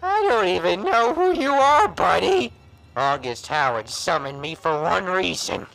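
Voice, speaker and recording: An actor playing a sadistic, vengeful monster in a horror audio drama, with gravelly, mocking menace. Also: mid-range voice, big pitch swings, fairly bright tone, faint music behind, exaggerated voice, low-quality recording. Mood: vengeful, taunting. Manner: menacing, drawn-out, mocking taunts.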